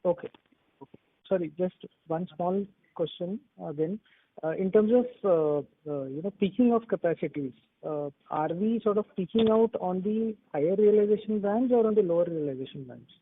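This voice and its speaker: A high-voiced man puts questions as an analyst, politely and a little hesitantly. His voice is husky. It comes over a thin telephone connection. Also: normal speed. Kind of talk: earnings call questioning. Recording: narrow dry phone line.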